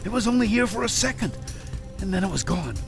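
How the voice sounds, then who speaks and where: A man's voice: high voice, lively intonation, fast talker, vocal fry, over music, pitched above the performer's own voice. A man voicing an anxious, bewildered man in a scary story reading. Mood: anxious, disbelieving. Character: anxious, bewildered man named Sam on an island.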